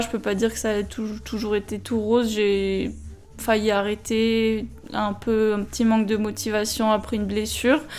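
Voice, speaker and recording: With music in the background, a woman speaks at a fairly high pitch and moderate pace in a monotone, flat intonation. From French Alps, Tignes. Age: 20s. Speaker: alpine skier. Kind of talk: interview. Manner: hesitant with fillers.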